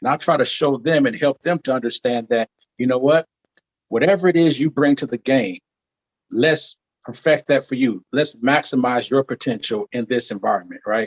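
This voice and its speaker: In an American accent and a normal speaking voice, a man of medium pitch talks at a moderate pace with ordinary pitch variation, recorded dry and close with no echo. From US, Detroit then South Central LA. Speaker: podcast host and teacher. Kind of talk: casual interview chat. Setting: own studio, remote conversation.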